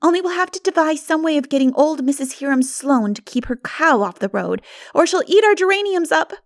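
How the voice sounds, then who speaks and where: A woman voicing a practical, excitable young girl in an animated, emphatic audiobook reading. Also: sits high, brisk, no echo, clean studio sound, pitched above the performer's own voice. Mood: chatty, eager. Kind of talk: dramatic audiobook character reading.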